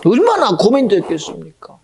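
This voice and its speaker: A man preaching a Sunday sermon in a church, impassioned, dropping to hushed whispers and rising to loud exclamations. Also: sits high, wildly swooping pitch, moderate pace, gravelly, breathy edge. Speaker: pastor. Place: church sanctuary.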